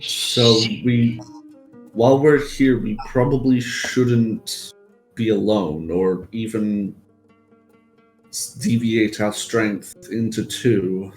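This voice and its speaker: Slow, halting man playing a game. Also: lowish voice, fairly even intonation, a little mellow, soft background music, rough recording. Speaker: tabletop game player. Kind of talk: casual in-character game chat.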